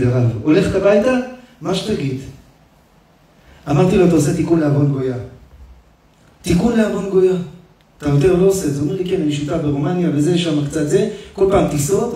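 A man, a rabbi, preaching an emotional sermon and telling stories, his delivery swinging between loud and hushed. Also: fairly high pitch. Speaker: rabbi giving a lesson. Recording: echoey hall, speaker far from the mic.

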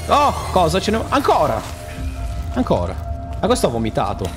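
A young man giving casual gameplay commentary, animated, swearing often and yelling at enemies, then muttering while he searches. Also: a little high, moderate pace. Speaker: gaming channel host. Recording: game music behind the voice.

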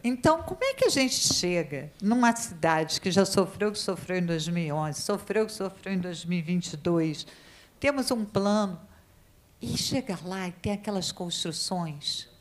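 A woman's voice: fairly low pitch, animated, normal speed. A woman speaks at a legislative committee hearing, emphatic and worried, thinking aloud with restarts and shivering from the cold. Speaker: committee member questioning experts. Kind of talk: spontaneous committee speech.

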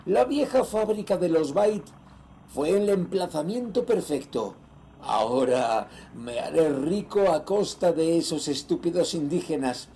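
A ruthless nineteenth-century sea merchant acted by a man dictates his journal in an audio horror drama. The voice is fairly high for a male and soft-edged, with a gravelly creak. The delivery is solemn, measured and theatrical, greed running underneath. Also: animated, slight background noise. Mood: smug, greedy. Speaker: voice actor in an audio horror series.

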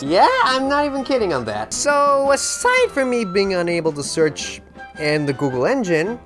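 A young man hosts a comedic scripted commentary, speaking to camera in an exaggerated, mock-dramatic way. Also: medium pitch. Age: young adult. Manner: animated, exaggerated delivery with mock-dramatic asides. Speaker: YouTube host. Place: indoor room with bare wall. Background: faint music.

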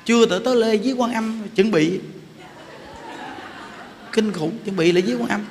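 High-voiced monk in an echoing temple hall. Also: male voice, moderate pace. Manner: chatty storyteller, often laughs and asks the audience "hiểu không?". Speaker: Buddhist monk giving a dharma talk. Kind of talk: informal sermon with anecdotes. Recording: reverberant hall with faint background noise.

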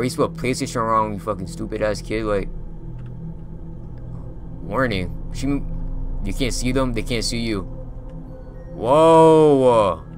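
Young guy, lowish voice, cussing and yelling at a horror game, music going behind him. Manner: profane, loud reactions, yelling at the game. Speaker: gaming YouTuber. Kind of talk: casual horror game commentary.

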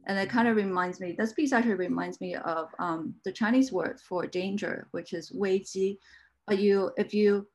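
A woman's voice: mid-range voice, fairly even intonation, moderate pace. A young woman on a video call giving casual, reflective commentary in an informal, conversational way. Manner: informal, frequent "like" and "you know". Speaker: artist, panel guest.

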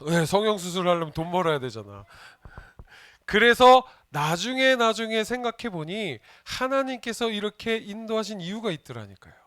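Delivering a children's sermon full of fun, the junior pastor questions the youngsters and teases them with jokes. His voice is high, sing-song and a touch bright, moving at normal speed. It's a dry, clean studio recording.

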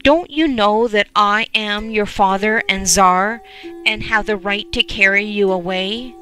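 A woman's voice: mid-range voice, measured pace, pushed and bright. A woman doing a scolding serpent tsar. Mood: stern. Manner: scolding, commanding. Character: stern male serpent tsar, domineering.

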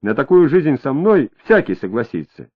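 A capricious young woman, as a male reader puts her on, her lines swinging between a dreamy drawl and sharp, prickly snaps. The voice moves lively up and down in pitch. The sound is thin and tinny, like a phone line. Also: normal speed, breathy edge.

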